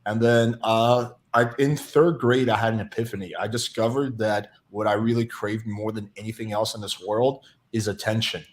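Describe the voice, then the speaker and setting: A man's voice: lowish voice, steady tone, normal speed, few pauses. A young man from Russia on a podcast, casually telling candid, self-deprecating stories about his past. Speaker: podcast guest. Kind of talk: casual chat.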